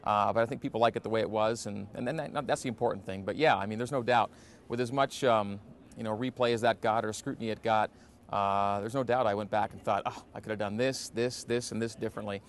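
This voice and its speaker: A man in his forties, a radio announcer, answering interview questions in a relaxed, reflective way with many fillers, in an empty indoor arena. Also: on the low side, fast. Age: 40s.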